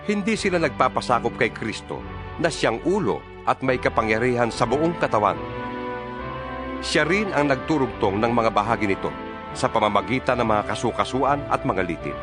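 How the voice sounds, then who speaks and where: A man with a Filipino accent voicing an earnest apostle in a dramatized scripture reading, solemn and emphatic, with measured phrasing. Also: mid-range voice, animated, over music, lightly acted. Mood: solemn exhortation. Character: earnest male apostle exhorting his followers by letter. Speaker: Bible reader voicing an apostle's letter.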